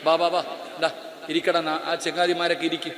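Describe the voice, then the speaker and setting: A man's voice: fairly high pitch, level tone, normal speed, background noise. A man preaching an Islamic sermon in an auditorium. He speaks straight to the crowd and keeps calling out and questioning his listeners. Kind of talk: sermon to a live hall audience. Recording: echoey auditorium with long reverb.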